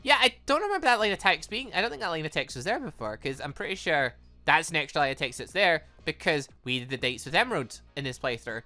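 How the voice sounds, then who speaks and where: A video host giving casual, excitable, rambling commentary while playing a game. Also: mid-range voice, fast, faint music behind. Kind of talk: casual let's play commentary.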